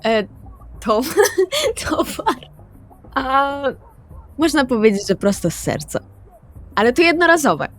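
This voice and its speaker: Brief: coaxing female vampire leader acted by a woman, highish voice, very animated intonation, teasing authority. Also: slow pace, long pauses, exaggerated voice.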